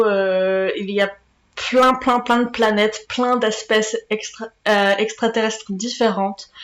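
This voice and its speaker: A woman with a fairly high voice chats through a casual book review vlog, hesitant and full of fillers and restarts. Her voice rings off the walls of an echoey room. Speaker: booktuber.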